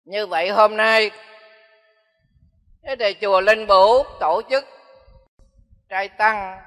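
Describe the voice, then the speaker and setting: A man's voice: high-pitched, fairly even intonation, slow, fairly bright tone, faint music behind. An older man, a Buddhist monk, giving a folksy dharma talk that repeats phrases for emphasis. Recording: long hall reverb.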